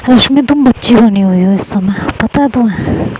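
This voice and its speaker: A woman's voice: fairly high pitch, moderate pace, darkish tone, a little hiss or hum, natural voice. Woman doing a blunt, scolding friend. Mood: coaxing. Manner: scolding, impatient. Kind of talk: amateur audio story reading.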